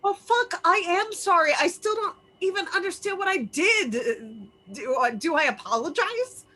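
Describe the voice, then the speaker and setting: A woman's voice: very high voice, expressive, moderate pace, sharp tone, exaggerated voice. A woman playing a brash, clueless, crude and defensive young American man in a screenplay table read. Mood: flustered.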